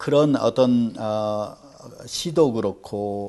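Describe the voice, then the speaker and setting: The man's voice carries a dark, mellow tone. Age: old. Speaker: book reader, author. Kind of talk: book reading and explanation to young listeners. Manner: casual, conversational.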